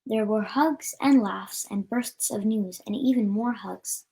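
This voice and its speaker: A woman's voice: mid-range voice, measured pace, gravelly, dark tone, slight background noise. A woman reading a children's story aloud as a storyteller, with an occasional stumble over the words.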